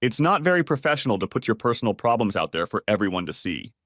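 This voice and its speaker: A man's voice: on the low side, sing-song, fast, fairly bright tone, no echo, studio quality. A man voicing a stern female office supervisor who talks in a curt, sarcastic way.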